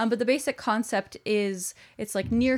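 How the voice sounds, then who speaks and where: A woman's normal speaking voice at a fairly slow pace. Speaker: book podcast co-host. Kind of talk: casual chat.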